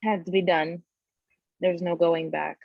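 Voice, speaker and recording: A woman's voice: on the low side, little pitch movement, a little slow, vocal fry, no room sound, highs cut off. A woman playing a bold, determined rebel leader at a screenplay table read.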